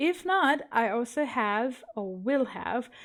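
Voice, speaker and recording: Speaking with a strong German accent, a woman has a fairly high pitch. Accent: German accent, self-described as strong. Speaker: gaming YouTuber. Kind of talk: gameplay commentary. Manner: halting, with fillers.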